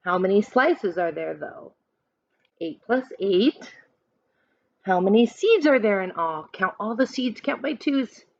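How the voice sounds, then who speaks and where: A woman reading a children's picture book aloud like a teacher, expressive and questioning as she coaches young listeners through counting. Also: medium pitch, unhurried, gravelly, dry recording, muffled recording.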